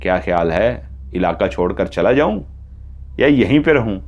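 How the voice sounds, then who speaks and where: A man's voice: fairly low pitch, animated, moderate pace, a little mellow, dull audio. A man voicing a sly, mischievous male jinn spirit who boasts and begs in a raised voice for a storytelling horror tale. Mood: teasing. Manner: boastful, pleading when beaten.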